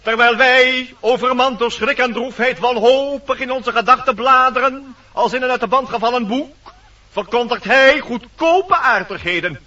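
Casting: stern, self-important forest animal chief, very high bright voice, declamatory radio-play delivery, dull recording. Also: male voice, moderate pace, distant mic, full character voice. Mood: impatient, commanding. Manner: formal, commanding, declamatory. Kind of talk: theatrical Dutch radio play acting.

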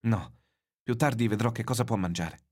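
A man's voice: fairly low pitch, normal speed, voice pushed up, close to an everyday voice. A man voicing a devoted young fisherman's boy in a read-aloud novel, lifting his voice to sound earnest.

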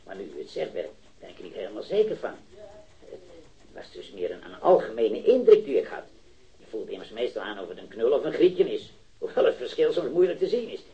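In this lo-fi 1970s radio drama, a man with a lowish, mellow, sing-song voice plays a robbery eyewitness. The character is a hesitant metal worker in his early thirties, eager to help yet unsure and rambling, and he stammers, halts and repeats his words.

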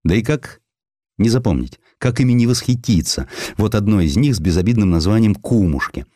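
A man narrating a historical literary essay from a script in an expressive, theatrical manner. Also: fairly low pitch, a little fast, no echo, studio quality. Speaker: audiobook narrator.

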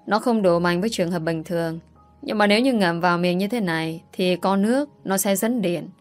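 A man voicing a calm, matter-of-fact hospital doctor explaining things in a narrated story. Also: sits high, a little fast, soft background music, close to an everyday voice.

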